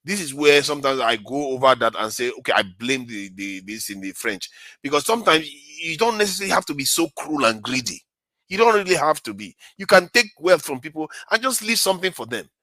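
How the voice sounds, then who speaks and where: A man's voice: on the high side, a little fast, no echo. A man with a Nigerian accent hosting a casual panel chat, chuckling and cutting in on the others. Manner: lively, chuckling, talks over others. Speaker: host.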